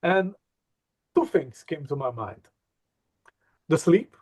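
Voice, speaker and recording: Male hypnosis trainer, slow and unhurried, lightly raised pitch, stumbles through fillers as he recounts a story. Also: animated, darkish tone, slightly rough. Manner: hesitant, many fillers and repeats. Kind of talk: casual interview storytelling.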